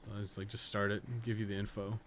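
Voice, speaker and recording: A man's voice: lowish voice, level tone, quick pace, a bit bright, a little hiss or hum. A man livestreaming a game, chatting casually and thinking aloud in a rambling, slangy, sweary way. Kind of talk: casual gameplay commentary, chatting while playing.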